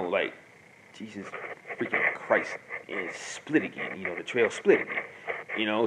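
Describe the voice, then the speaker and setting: A man talking casually and rambling in a monologue, restarting sentences and filling pauses. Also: lowish voice. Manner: rambling, repeats himself, many fillers. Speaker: host answering viewer questions. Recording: noisy home recording.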